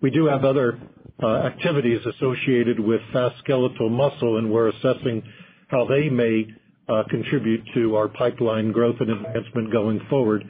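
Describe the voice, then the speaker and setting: A man speaking as a company executive on an investor call, giving measured, carefully qualified corporate answers. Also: mid-range voice, steady tone, a little hiss or hum. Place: conference call. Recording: muffled narrow phone line.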